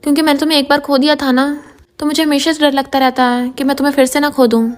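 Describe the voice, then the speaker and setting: Woman voicing a possessive jealous young man, high voice, quick delivery, pleading. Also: flat delivery, faint music behind, natural voice.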